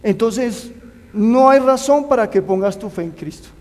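A man's voice: sits high, unhurried, a little mellow. A man preaching a sermon, earnestly urging his listeners to put their trust in God. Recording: long hall reverb.

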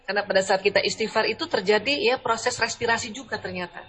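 A woman's voice: mid-range voice, quick pace, a bit bright. A middle-aged woman giving an Islamic lecture, asking her listeners questions and answering them herself. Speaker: preacher.

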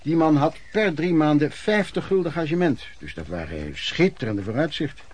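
An actor playing an older, plain-spoken former street vendor and vagrant who reminisces in a radio play, wordy and folksy with quaint old-fashioned phrasing. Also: male voice, a little high, very animated, normal speed. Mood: wry. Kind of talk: radio play monologue in interview form.

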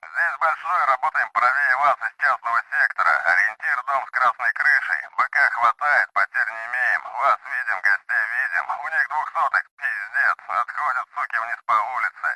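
A man voicing a coarse male soldier giving a clipped radio report in an audiobook, quieter and higher than his own voice. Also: lively intonation, moderate pace, no room sound, rough recording. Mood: matter-of-fact.

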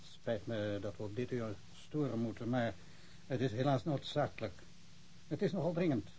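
A man's voice: medium pitch, moderate pace, warm tone, slight background noise, natural voice. An actor in a radio drama playing a polite, reflective police inspector, dry and uneasy at his duty. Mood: polite, firm. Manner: courteous, dry, musing.

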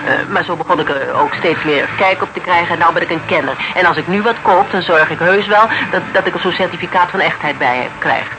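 An actress with a Netherlands Dutch accent playing a worldly, guarded jewellery dealer in a radio play, speaking in a blunt, matter-of-fact, colloquial way. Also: female voice, lowish voice, fast talker, hardly any pauses, background noise, natural voice. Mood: defensive. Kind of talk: naturalistic radio play dialogue. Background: loud music.

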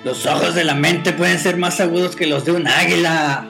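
A man's voice: fairly high pitch, steady tone, moderate pace, vocal fry, over music. A man with a Mexican accent playing a rude, cheeky, crooked younger street guy in a radio play, mocking and curt. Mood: sly.

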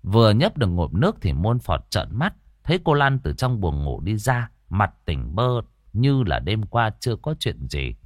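A man narrating a ghost story in a lively, expressive reading. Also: on the low side, moderate pace, hardly any pauses, no echo, studio quality.

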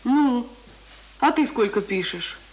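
A village teenage girl in a radio play. She gives instructions in a bossy, teasing way with a fairly high voice. Clear noise sits on the recording. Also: lively intonation, takes it slowly, rough recording. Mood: bossy, instructing. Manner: instructing, mocking.

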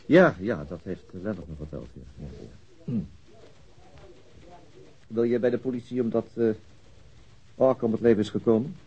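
An actor playing a weary, resigned detective with a gruff, terse and hesitant manner in a radio drama. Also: male voice, fairly low pitch, moderate pace, pauses often. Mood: curious, terse. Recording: dull lo-fi old radio recording.

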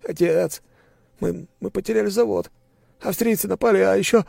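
A high, gravelly young man's voice, tearful and stammering, as a desperate son. The tone is dark and husky, recorded dry and close. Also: normal speed, dry recording, full character voice. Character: young adult man, distraught sobbing son. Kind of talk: audiobook character voice.

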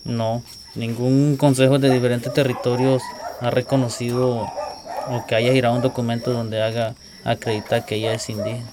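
Community spokesman, flat and hesitant, outdoors with noise behind him. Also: medium pitch. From Costa Rica. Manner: halting, repeats words while searching. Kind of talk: field interview answers. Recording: outdoor field recording with clear background noise.

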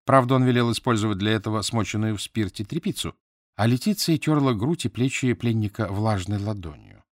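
A man reading an audiobook as scripted narration, measured and even. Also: on the low side, dry recording, clean studio sound.

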